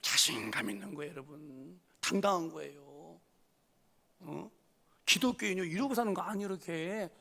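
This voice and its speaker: A middle-aged man preaching a sermon as pastor, fervent and animated, acting out scenes with loud raised voices. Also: fairly high pitch, normal speed, creaky. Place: church sanctuary. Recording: long church reverb.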